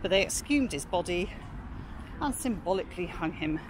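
A chatty woman narrates a walk through a city park, her voice rising and falling in a lively way. She speaks informally as she walks, into a camera mic. Traffic and street noise come through clearly behind her. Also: lowish voice, normal speed. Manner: chatty, informal, reads out prices and history. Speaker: walking tour narrator. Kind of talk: chatty walking commentary. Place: outdoors in a large city park.

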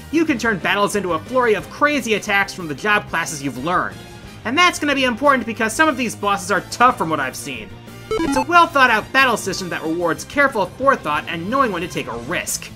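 A man's voice: sits high, big pitch swings, a little fast, pushed and bright, faint music behind. A middle-aged man hosting a countdown in scripted video essay narration, with an emphatic, theatrical delivery. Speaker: video game countdown host.

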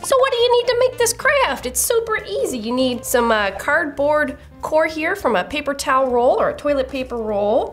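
A young woman hosting a children's craft tutorial, bubbly and playful with jokey asides. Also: high voice. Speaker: kids' craft show host.

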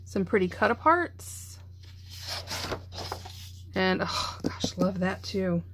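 A woman's voice: medium pitch, fairly bright tone. A middle-aged woman chats through a casual craft vlog. She sounds tired but gushes with enthusiasm. A faint noise sits under her voice. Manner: chatty, enthusiastic, gushing. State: tired, yawning. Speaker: craft channel host. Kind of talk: casual show-and-tell vlog.

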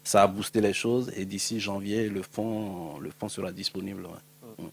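A man's voice: on the low side, steady tone, normal speed, gravelly, slight background noise. A man in his thirties speaking as a panelist into a handheld mic, hesitant, full of fillers, often trailing off. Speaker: panelist, film fund organizer. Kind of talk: panel discussion. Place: indoor stage at a public panel.

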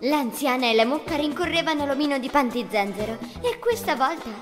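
A woman narrating a cartoon fairy tale for children in an expressive, child-friendly way. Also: high voice, fairly quick, over music. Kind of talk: scripted storybook narration.

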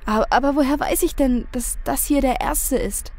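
A woman's voice: high-pitched, normal speed, a little mellow, lightly acted. An actress playing a wary, questioning woman caught in the trenches, in an audio drama. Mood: doubtful. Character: wary, whisky-drinking woman companion in the trenches.

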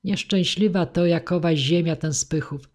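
Old knight uncle, read by a woman, slow, admonishing, worried, storybook. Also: on the low side, a little mellow, close to an everyday voice.

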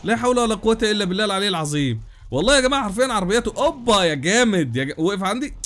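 A young man with an Egyptian Arabic accent giving excited gameplay commentary, exclaiming, laughing and talking straight to his viewers. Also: high-pitched, rapid-fire. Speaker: gaming YouTuber.

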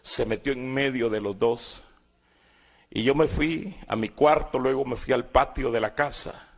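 An unhurried, creaky, medium-pitched voice belongs to a man in his sixties with a Guatemalan Spanish accent. Recounting his life as a former guerrilla, he tells his story dramatically, imitating the voices of figures from his past.

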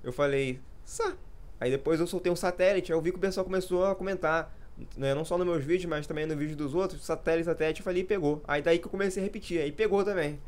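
A man's voice: fairly high pitch, fast talker, darkish tone. A man in his thirties chatting casually in a vlog, rambling and losing his train of thought, poking fun at himself. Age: 30s. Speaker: gaming youtuber.

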